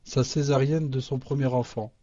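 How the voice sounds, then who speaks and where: A man moderates a call, reading listener questions in a halting way with frequent restarts. His voice is dark and mellow, and it sounds dry and muffled, as if over a lo-fi line. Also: medium pitch, steady tone, no echo. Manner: halting reading with restarts, Arabic religious phrases. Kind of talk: reading questions aloud, hesitant. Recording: muffled lo-fi audio.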